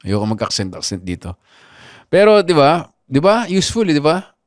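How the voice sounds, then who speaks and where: A man hosting a podcast, telling stories in animated casual chat with constant tag questions. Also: a little high, moderate pace, no room sound, clean studio sound. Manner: animated storytelling with frequent "di ba" asides. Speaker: podcast host.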